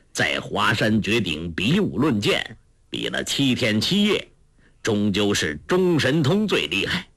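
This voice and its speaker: A gruff old male beggar and martial master speaks low and teasing. A man acts him out in a storybook reading, letting the pitch rise and fall freely. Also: fairly bright tone, no echo, clean studio sound, heavily acted. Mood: cool.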